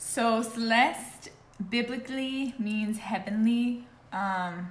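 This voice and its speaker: Fairly high, somewhat breathy voice of a woman, with fairly even intonation and audible room echo. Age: 20s. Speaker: nursing student. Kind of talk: testimony.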